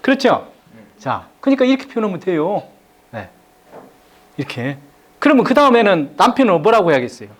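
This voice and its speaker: A man's voice: high voice, brisk, pauses often. A man giving an interactive lecture on marriage communication to a live audience. He coaxes them to take part, acts out what husbands and wives might say, and chuckles often. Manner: animated, coaxing the audience, acting out couple dialogues, chuckling often.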